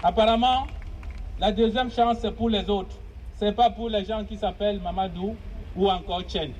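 A man's voice: sits high, fairly even intonation, moderate pace, a little mellow, rough recording. A man hosting a public event, introducing speakers in a rousing, declamatory way. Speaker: event host. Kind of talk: announcing speakers at a rally. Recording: crowd noise, voice from off-mic.

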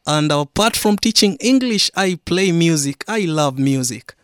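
A man's voice: on the high side, lively intonation, a little slow, fairly bright tone, smooth, no room sound. Young male Kenyan radio guest, Swahili first language, slightly raised voice, dry studio sound, careful speech. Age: young adult. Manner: careful, simple phrasing in a second language. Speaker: musician and English teacher. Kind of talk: radio interview answers in English and French.

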